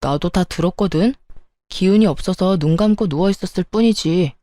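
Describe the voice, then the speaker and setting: A woman's voice: lowish voice, normal speed, mellow, no room sound, studio quality, close to an everyday voice. A woman voicing an angry adult husband who sides with his mother and orders his wife around. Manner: demanding, commanding tone. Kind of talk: storytelling narration.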